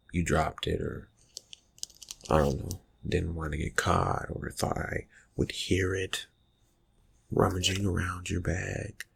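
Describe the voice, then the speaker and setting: A man playing a calmly threatening vampire confronting a friend in a soft-spoken, halting ASMR roleplay, with a husky, gravelly voice. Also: heavily acted. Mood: accusing. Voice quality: low, husky, gravelly, often breathy. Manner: hesitant, halting, quietly insinuating.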